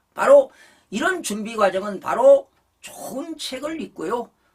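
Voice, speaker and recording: Speaking at a fairly slow pace, a man uses an extremely high pitch and lively intonation. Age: 60s. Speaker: professor and channel host. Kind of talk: book commentary monologue.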